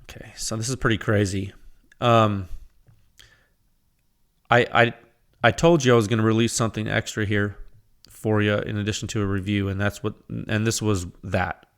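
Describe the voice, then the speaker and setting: A man's voice: lowish voice, flat delivery, moderate pace, long pauses. A man hosting his own podcast, talking casually with lots of fillers, enthusiastic, while losing his voice. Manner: casual, filler-heavy, enthusiastic with frequent "you know". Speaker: podcast host. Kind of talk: solo podcast monologue.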